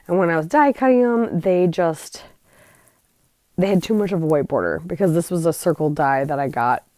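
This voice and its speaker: A woman's voice: on the low side, normal speed, warm tone, no echo. A woman hosting a scrapbooking channel, narrating her project in a chatty, rambling way that trails off and corrects herself. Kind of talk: casual craft voice-over.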